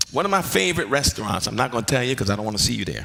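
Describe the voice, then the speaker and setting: A man talking at a very fast pace in an animated tone, with noticeable background noise. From New York. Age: 50s. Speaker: pastor. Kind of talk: casual teaching discussion with audience.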